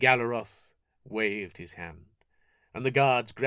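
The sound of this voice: The background stays quiet while an unforced reading voice carries fairly even intonation.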